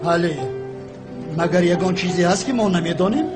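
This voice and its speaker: A man voices a protective father, concerned and insistent, with a Tajik accent. His voice is high for a man. Music plays clearly beneath this dubbed drama. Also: lightly acted.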